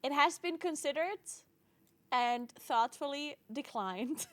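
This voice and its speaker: High-voiced playful woman streamer. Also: lively intonation, takes it slowly, a bit bright, dry recording. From Italy. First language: German. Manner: playful, laughs often, teasing. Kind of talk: casual chat with stream viewers.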